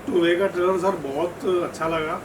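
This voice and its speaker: A man with a slightly high voice makes unprepared remarks at a press event, doubling up words as he goes. The microphone is at a distance and noise is clearly audible. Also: fairly even intonation, moderate pace. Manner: repeats words and phrases. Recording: distant mic, noisy room.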